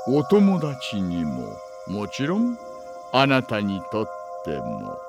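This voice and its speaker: An actor playing a wily, smooth-talking middle-aged police detective in an audio drama, unctuously polite and insinuating. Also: male voice, lowish voice, wildly swooping pitch, slow pace, music in the background, full character voice. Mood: insinuating politeness. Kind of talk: Japanese audio drama acting.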